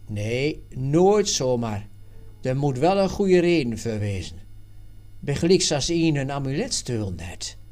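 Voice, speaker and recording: A man reading aloud and voicing Jan, an adult man and worldly former trader who explains things earnestly and loudly. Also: mid-range voice, big pitch swings, a little slow.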